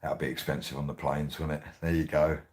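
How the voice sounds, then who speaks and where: A man, hosting his radio show in a rambling, excitable way, laughing often. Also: very deep voice, a little fast. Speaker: radio host. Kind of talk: casual monologue.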